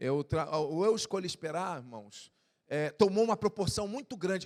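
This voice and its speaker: With a slight Carioca accent and lively intonation, a man talks at a moderate pace on a very clean recording with a silent background. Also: dry, close sound with no echo. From Rio de Janeiro, Brazil. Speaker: pastor. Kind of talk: sermon. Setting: stage with audience.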